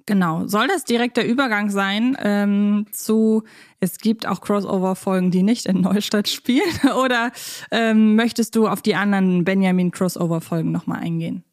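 A woman speaks in an unscripted podcast chat. Her medium-pitched voice is recorded dry, with very little room sound. She talks in an articulate, chatty, opinionated way. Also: moderate pace, darkish tone, no echo. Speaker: podcast co-host. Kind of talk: casual unscripted podcast chat about audio dramas.

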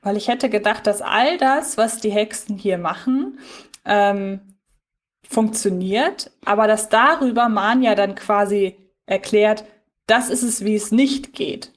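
A woman's voice: medium pitch, unhurried. A woman chatting casually as a podcast host, giving a review.

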